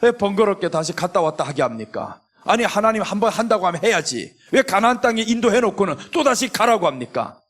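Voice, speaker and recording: High-voiced preaching pastor, emphatic. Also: male voice, sing-song, fast, hardly any pauses. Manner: preaches emphatically, acts out prayers in raised pleading tones; drops to a soft, low voice for reflective asides. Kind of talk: sermon. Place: church.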